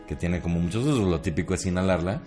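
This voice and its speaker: A man's voice: low voice, expressive, quick pace, dark tone, faint music behind. A man with a Mexican accent co-hosting a comedy podcast, joking, laughing often and slipping into impressions. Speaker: podcast co-host. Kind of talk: casual comedy chat.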